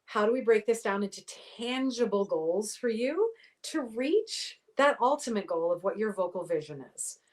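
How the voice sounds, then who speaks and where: Middle-aged woman expert, clear and explanatory, mid-range voice. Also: medium pitch, expressive, moderate pace, darkish tone. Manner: articulate, explanatory, uses athletic analogies. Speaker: voice pathologist guest. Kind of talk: interview answers.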